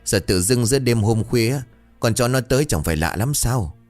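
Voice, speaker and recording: A terrified old village wife begs and shrieks in a high, shrill voice that swings wildly in pitch, as a male narrator puts her on. Faint music plays behind the storybook telling. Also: animated, moderate pace, lightly acted. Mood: pleading. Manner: shrill, begging, panicky.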